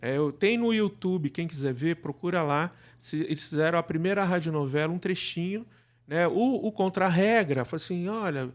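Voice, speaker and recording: A man with a Brazilian Portuguese accent speaks in a slightly high register. He is a guest in a live interview, explaining in a conversational way and often checking in with little tag questions. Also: normal speed. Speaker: guest, radio drama producer.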